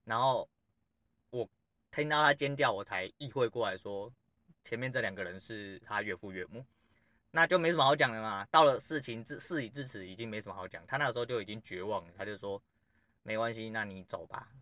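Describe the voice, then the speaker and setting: Fast-talking man telling a story. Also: on the low side, animated, bright, forceful tone, no echo. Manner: rambling, blunt, swears freely. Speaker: podcast host. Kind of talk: casual storytelling monologue.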